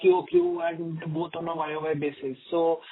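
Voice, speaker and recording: A man's voice: on the high side, little pitch movement, moderate pace. A man asking detailed questions as an analyst on an earnings call. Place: telephone conference call. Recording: dull narrowband phone line.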